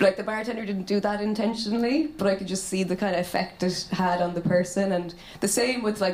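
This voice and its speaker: A woman with an Irish accent talks at a fairly quick pace and medium pitch, with ordinary pitch variation and hardly any pauses, over noticeable background noise. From Ireland, Irish-speaking household. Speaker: documentary maker. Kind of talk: panel discussion.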